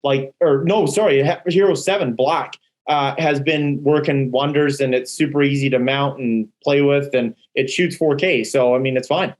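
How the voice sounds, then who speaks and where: A man's voice: medium pitch, moderate pace, hardly any pauses. A man from Canada co-hosting a podcast in casual, informal conversation. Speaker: podcast co-host, real estate agent. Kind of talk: casual chat.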